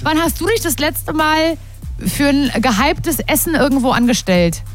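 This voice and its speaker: High, playful woman hosting morning radio. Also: expressive, moderate pace, faint music behind. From Berlin. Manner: playful, chatty, teasing. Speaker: guest radio host. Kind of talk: casual morning radio chat.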